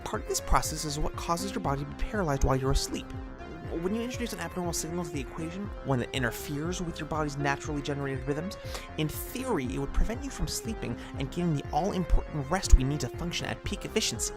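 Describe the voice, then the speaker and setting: A pompous, fussy scientist, played by a male actor, lectures in precise, ornate phrases. His pitch swoops about excitably in this audio drama, with music playing behind him. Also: fast. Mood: lecturing.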